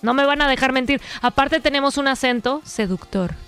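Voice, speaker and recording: A high-pitched woman hosting a radio show, talking in a chatty, playful way full of fillers. She has a mostly neutral Mexican Spanish accent with a slight Yucatecan touch. Faint music plays under her voice in the studio. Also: brisk, a bit bright, clear, resonant tone. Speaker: radio host. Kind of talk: casual radio chat.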